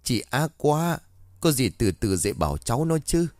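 A kindly grandmother over seventy, played by a man in a spoken ghost story. She pleads and comforts gently, her voice frail. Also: medium pitch, sing-song, moderate pace, dry recording, clean studio sound, natural voice. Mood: lamenting. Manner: gentle, imploring. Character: frail, kindly old grandmother with weak eyes.

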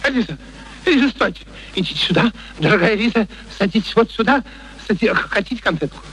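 High-pitched, domineering eccentric professor. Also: male voice, animated, fast talker, fairly bright tone, husky, heavily acted, low-quality recording. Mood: coaxing. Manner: imperious, theatrical, cajoling. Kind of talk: vintage radio play acting. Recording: old radio recording with faint noise.

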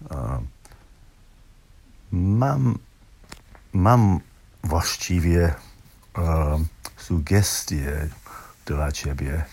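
An older man with a very low, husky voice speaks Polish with a marked English accent. He goes extremely slowly, feeling for words and often restarting them, as a learner recording a personal message. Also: a little mellow. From southern England. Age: 60s or older. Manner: halting, hesitant, with broken-off words and repeats.

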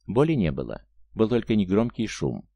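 A man narrating an audiobook in a steady, measured reading. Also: fairly low pitch, gravelly, dull audio. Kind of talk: audiobook narration of science fiction.

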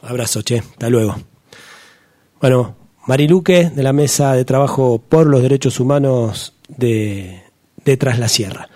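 Easygoing Argentine radio host. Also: male voice, mid-range voice, a little slow, warm tone. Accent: Argentine Spanish. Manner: friendly, easygoing wrap-ups. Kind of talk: casual radio presenting.

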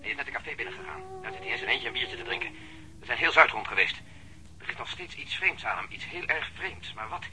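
An actor playing a keen police detective on a suspect's tail, reporting in urgent, clipped phrases in a Dutch radio drama. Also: male voice, medium pitch, very animated, fast talker, natural voice, poor audio. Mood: urgent, uneasy.

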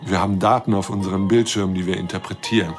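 An actor playing a lonely, shy, trusting astronomer in an intimate radio drama monologue, speaking haltingly and earnestly. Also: male voice, deep voice, fairly even intonation, faint music behind, lightly acted. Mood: earnest, tentative.

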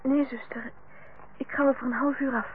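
Actress as high-voiced meek young nurse. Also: female voice, fairly even intonation, moderate pace, natural voice. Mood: meek, polite. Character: young nurse, chatty with colleagues, meek to superior. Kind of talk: Dutch radio play acting. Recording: tinny old radio recording, faint noise.

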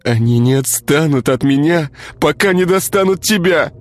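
A man's voice: normal speed, natural voice. A male narrator voicing a frightened, furious young woman who sobs and stammers. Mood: hysterical. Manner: sobbing, stammering, shrill outbursts.

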